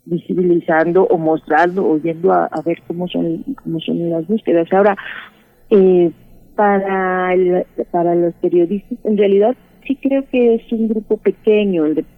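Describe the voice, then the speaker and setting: A woman's voice: on the low side, steady tone, no room sound. A woman journalist with a Mexican accent, answering in a radio interview and often stopping to search for her words. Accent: Mexican Spanish. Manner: halting, searching for words, many restarts. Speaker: journalist and former teacher. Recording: tinny phone-line sound, dry.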